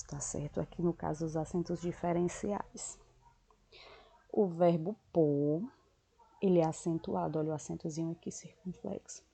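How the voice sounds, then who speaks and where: A woman's voice: on the low side, gravelly, mellow. A woman teacher giving a patient grammar lesson, often checking that students follow. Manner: patient, uses many diminutives and checks with "tá certo?". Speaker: Portuguese teacher.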